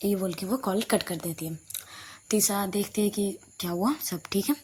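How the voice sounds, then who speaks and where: A woman's voice: medium pitch, lively intonation, moderate pace, a little mellow, a little hiss or hum. Woman telling an audio love story casually. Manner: loose, chatty telling with frequent restarts and self-corrections.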